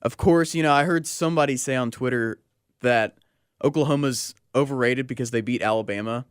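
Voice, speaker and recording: A man's voice: medium pitch, brisk, clear, resonant tone, dry recording, clean studio sound. A young American man hosting a sports talk radio show in a casual, slangy, conversational way.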